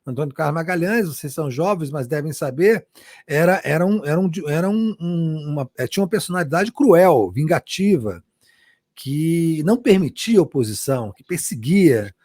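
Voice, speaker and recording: A man's voice: on the high side, animated, moderate pace, darkish tone, dry recording, clean studio sound. A Brazilian man, a journalist answering interview questions passionately, often restarting and repeating words. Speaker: journalist guest.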